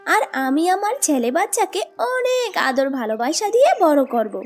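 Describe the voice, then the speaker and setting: Selfish mother bird, female performer: very high, swooping cartoon voice, sulky and dismissive. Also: very animated, a little slow, heavily acted. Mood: delighted, boastful. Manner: whiny, snappish, dismissive. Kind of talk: children's cartoon acting.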